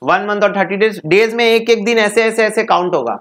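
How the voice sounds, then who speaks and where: Guy teaching law for exams, slowly drills definitions bit by bit, quizzes himself out loud. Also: sits high. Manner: drills definitions phrase by phrase, asks students to repeat; questions and answers himself. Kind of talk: exam-prep law lecture.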